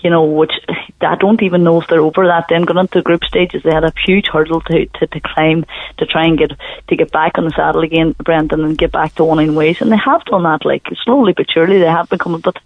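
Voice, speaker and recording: A woman's voice: sits low, fairly even intonation, fast talker, dry recording. Donegal woman pundit on a thin phone line. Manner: conversational, colloquial. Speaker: sports pundit. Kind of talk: sports analysis in radio phone interview. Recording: thin phone line, dry, band-limited.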